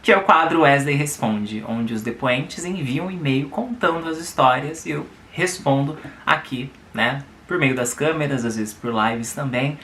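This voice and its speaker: A Brazilian man speaks with a Brazilian Portuguese accent, his voice bright and forward. He talks casually to his viewers and often adds little tag questions. The room around him echoes, and there is a faint hiss underneath. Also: mid-range voice, moderate pace, few pauses. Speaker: YouTube host. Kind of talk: reading and commenting on a viewer's letter.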